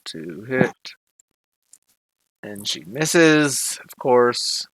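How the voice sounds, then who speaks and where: A man's voice: medium pitch, sing-song, drawn-out words, a bit bright, no echo, poor audio. A man narrating a tabletop game as game master, in a casual, laughing, self-deprecating way.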